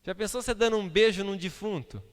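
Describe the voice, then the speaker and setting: Impassioned high-voiced pastor preaching. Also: male voice, fast talker. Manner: impassioned, swinging between loud outbursts and hushed asides. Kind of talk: sermon. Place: church sanctuary. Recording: reverberant church hall.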